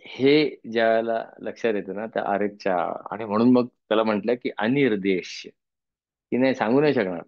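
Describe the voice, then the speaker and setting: A man teaching Sanskrit chanting, explaining verses conversationally with homely examples and reciting slowly. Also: on the low side, no room sound, lo-fi sound. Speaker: teacher of Vishnu Sahasranama chanting. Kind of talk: spiritual lesson with chanted verses.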